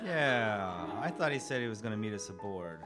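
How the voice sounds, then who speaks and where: An actor playing a childlike, literal-minded ship's officer who talks earnestly in a sci-fi comedy. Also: male voice, lowish voice, expressive, moderate pace, a bit bright, soft background music.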